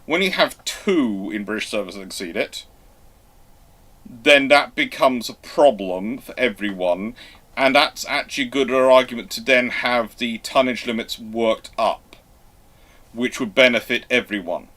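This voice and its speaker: A man hosting a live question-and-answer history talk, speaking in a halting, emphatic way as he reworks his phrases. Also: mid-range voice, sharp tone. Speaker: host answering viewer questions.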